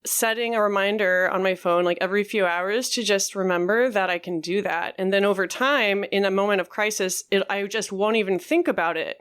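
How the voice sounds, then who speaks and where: A woman co-hosting a podcast, talking frankly in a halting way with many fillers. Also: mid-range voice, a bit bright, clear, resonant tone. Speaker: podcast co-host. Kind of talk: candid conversational podcast talk.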